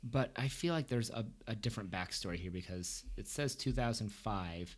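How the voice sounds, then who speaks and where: A man with an American accent speaks at a moderate pace, his pitch fairly low and his intonation lively. It's a plain, everyday voice on a very clean recording with a silent background. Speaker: travel podcast co-host. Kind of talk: casual chat. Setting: recording in Amsterdam.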